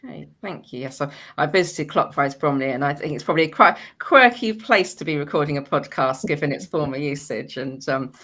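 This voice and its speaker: A woman's voice: low-pitched, expressive, brisk, few pauses, a bit bright. A woman hosting a webinar, moderating conversationally and putting questions to the panel. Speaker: webinar host.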